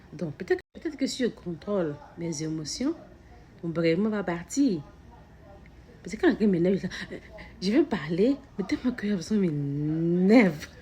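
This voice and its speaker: A woman with a somewhat low voice gives an earnest, reflective self-help talk as a mother addressing her listeners. She stutters often, doubling words and restarting phrases. A faint background hum sits under her voice. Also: darkish tone. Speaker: mother sharing personal reflections.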